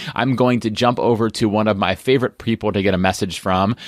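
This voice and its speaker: With an American accent, a man speaks in a plain, everyday voice at a fairly low pitch and fairly even intonation. His pace is fairly quick, and the sound is dry and close with no echo. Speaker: podcast host and eighth grade science teacher. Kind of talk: podcast monologue. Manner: casual, with fillers and self-corrections.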